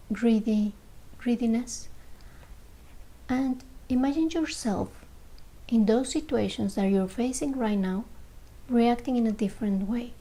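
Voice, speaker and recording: A woman guiding a meditation in a slow, gentle voice, pausing between short phrases. Her voice sits a little high but sounds warm and mellow. It has a gravelly, fry-touched edge, and at times she drops to a soft near-whisper. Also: poor audio. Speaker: meditation guide. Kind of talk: guided meditation.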